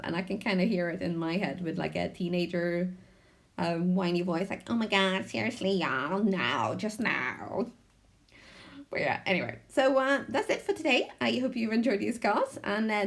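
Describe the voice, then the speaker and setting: A woman narrating a card-making tutorial in a chatty, relaxed way, with frequent ums. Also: mid-range voice, creaky. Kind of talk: crafting tutorial voice-over.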